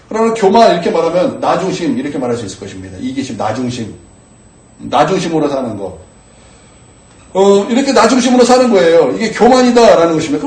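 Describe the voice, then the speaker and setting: A man's voice: sits high, far from the mic. A man preaching a sermon, telling a story and acting out the exchanges, with frequent rhetorical questions. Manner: animated storyteller, acts out quoted exchanges, asks rhetorical questions. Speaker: pastor. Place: church sanctuary. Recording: roomy church hall, voice off-mic at times.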